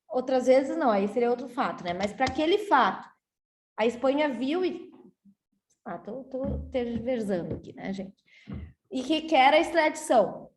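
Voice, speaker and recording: A woman's voice: high voice, darkish tone. A woman with a Brazilian accent giving a law lecture to her class in a chatty, explanatory way, often checking in with the students. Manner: chatty and explanatory, tags sentences with "tá?". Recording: roomy echo.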